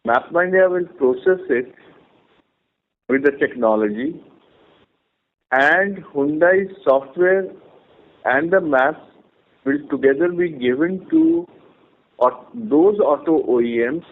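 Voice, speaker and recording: A man, a company executive, explains his company's plans to analysts on an earnings call in a measured way with restarts. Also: fairly high pitch, very animated. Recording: tinny phone line.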